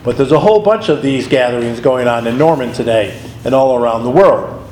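A man's voice: medium pitch, darkish tone. A man recovering from laryngitis, leading an adult catechism class and calling on readers. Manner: explanatory, calls on readers by name. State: hoarse from laryngitis. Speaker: pastor teaching a class. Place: church classroom. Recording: echoey room, faint noise.

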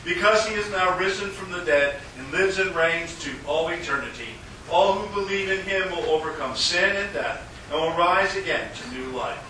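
A man's voice: high-pitched, sharp tone. Man, pastor intoning liturgy, cathedral echo, roomy church from afar, noisy recording. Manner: measured, solemn intoning. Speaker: pastor leading worship. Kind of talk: liturgical chanting and prayer. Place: large church sanctuary. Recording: echoey church, mic from far off, noisy.

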